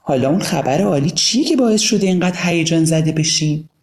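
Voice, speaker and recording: A woman voicing a cheerful, gentle mother in an audio storybook, speaking with a smile. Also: deep voice, lively intonation. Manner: warm and smiling.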